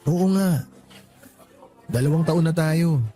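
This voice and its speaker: Devoted Filipino boyfriend, played by a man, higher voice. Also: slow, mellow, faint music behind. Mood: tender, earnest. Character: affectionate Filipino boyfriend working overseas, easygoing, devoted. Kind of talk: Tagalog radio romance drama dialogue.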